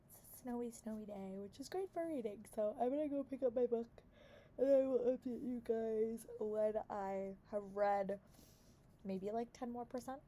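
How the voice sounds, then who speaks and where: A young adult woman with a hoarse voice chatting casually about her reading and teaching day, rambling with many fillers. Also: a little high, normal speed, warm tone. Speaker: book vlogger and theater teacher. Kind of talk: casual vlog chat.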